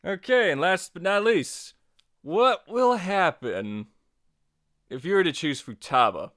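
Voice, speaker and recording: A man hosting a software tutorial, narrating casually in a playful, chatty, wry way. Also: high-pitched, big pitch swings, slow pace. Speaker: tutorial host.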